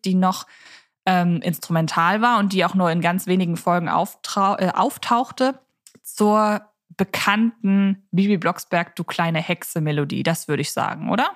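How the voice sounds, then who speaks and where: A woman co-hosting a podcast in a chatty style, often speaking straight to the listeners. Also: mid-range voice. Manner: chatty, addresses listeners directly. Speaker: podcast co-host.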